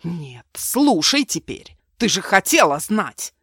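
A woman's voice: fairly low pitch, expressive, unhurried, fairly bright tone, dry recording, clean studio sound. A woman voicing a bitter, vengeful man just out of prison, harsh and mocking with a raised voice. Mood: furious.

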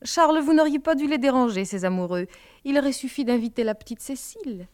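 A woman's voice: sits high, lively intonation, fairly quick, darkish tone, voice pushed up. A woman reading the part of a spiteful middle-aged society woman who needles others with irony. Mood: mocking. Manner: ironic, needling.

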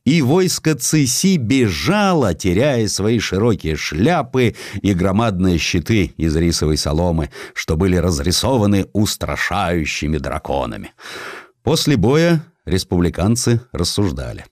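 A man reading historical sketches as an audiobook narrator, in an expressive, deliberate, dramatic storytelling style. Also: sits low, no room sound, clean studio sound.

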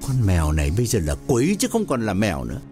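An older husband, worn out and scared, speaks in a weary, irritable way, as voiced by the male narrator. His mellow, dark tone swings widely in pitch, with faint music behind. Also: wildly swooping pitch, fast. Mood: weary fearful.

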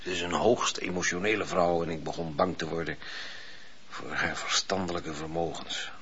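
A troubled, deep-voiced judge. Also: male voice, fairly even intonation, moderate pace, a bit bright, a little hiss or hum. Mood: confiding. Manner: earnest, defensive. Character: troubled male judge, proud man of honour. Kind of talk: radio play acting. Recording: dull old radio recording.

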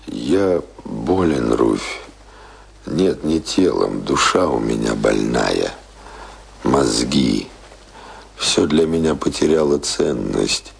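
A disillusioned, famous man who has lost his taste for life. His voice is extremely deep, gravelly and very husky. He broods theatrically, as in a radio play, with faint music beneath. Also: animated, slow, full character voice. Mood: weary, despairing. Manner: brooding, theatrical monologue delivery. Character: ailing, embittered celebrated man, disillusioned and weary of life. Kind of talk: Russian radio play acting. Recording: radio drama with music underneath.

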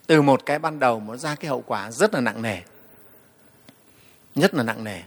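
A man, a Buddhist monk giving a storytelling dharma talk to the assembly, often pausing on "đấy". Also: mid-range voice, big-room sound. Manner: storytelling, frequent "đấy" fillers, addresses the assembly.

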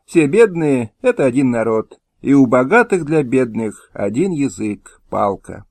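A man's voice: medium pitch, big pitch swings, a little slow, darkish tone, no echo. A man voicing an old, poor male Jewish tailor who talks in a weary, resigned, pleading way in a historical audiobook. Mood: sorrowful. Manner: pleading, sorrowful.

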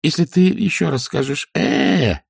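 A man voicing an impatient, fierce young woman witch in a storybook, with sharp commanding questions. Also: a little high, expressive, measured pace, creaky, breathy edge, no echo, clean studio sound, voice pushed up, exaggerated voice. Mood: threatening.

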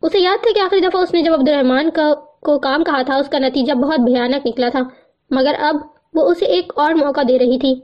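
High-voiced woman reading a novel. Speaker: audiobook narrator. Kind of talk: novel read aloud. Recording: muffled lo-fi recording.

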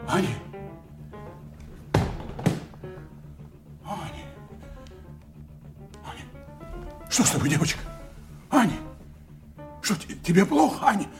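Agitated, high-voiced man, sweeping intonation. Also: wildly swooping pitch, measured pace, vocal fry, long pauses, faint music behind, full character voice. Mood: alarmed, urgent. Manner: emotional, insistent, swinging between coaxing and menace. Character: agitated, domineering secret agent, desperate lover. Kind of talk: audio drama acting.

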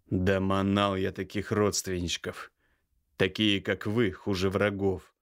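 A man voicing an enraged older brother who threatens slowly and with contempt. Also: deep voice, little pitch movement. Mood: furious, menacing. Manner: growling, slow and threatening. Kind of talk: audiobook character voice.

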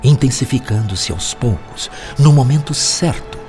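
An actor playing a wise, patient spirit mentor in a radio drama, speaking in a measured, instructive, solemn way. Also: male voice, mid-range voice, lively intonation, over music, lightly acted. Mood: solemn instruction.

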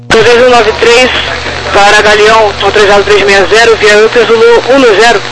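A man working as an air traffic controller, reading procedural clearances over a crackly radio. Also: high voice, flat delivery, a little fast. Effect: crackly radio transmission. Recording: noisy, humming aviation radio channel.

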